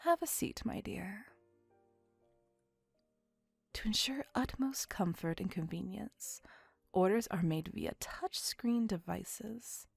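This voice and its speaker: A possessive, centuries-old vampire woman, as a woman voices her murmurs in a breathy, gravelly whisper, slow and unhurried. Her phrasing is formal and old-fashioned, close and dry on the mic, with soft music far behind. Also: medium pitch, animated, dry recording, full character voice. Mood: tender. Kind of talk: ASMR roleplay. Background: faint music.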